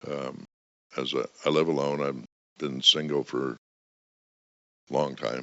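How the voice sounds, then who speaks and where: A man's very deep, low voice with vocal fry, monotone, flat intonation, a fairly slow pace and long, frequent pauses. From US Midwest, St. Louis, Missouri. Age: 70s. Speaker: retired business owner. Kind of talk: interview conversation. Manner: hesitant, many fillers.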